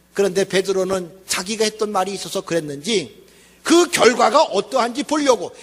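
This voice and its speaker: A male pastor preaching a sermon, with a dramatic, rising and falling delivery and rhetorical questions. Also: sits high. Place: church sanctuary. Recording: echoey church hall.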